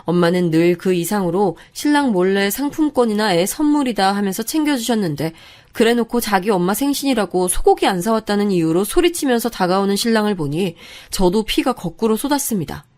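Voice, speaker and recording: A woman narrating a first-person story in a calm, confiding way. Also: mid-range voice, fairly quick.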